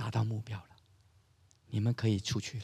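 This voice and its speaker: On a very clean recording with a silent background, a man speaks at a medium pitch in a somewhat breathy voice. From Taiwan. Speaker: missionary pastor. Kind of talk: sermon. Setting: church. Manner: halting, with many filler sounds.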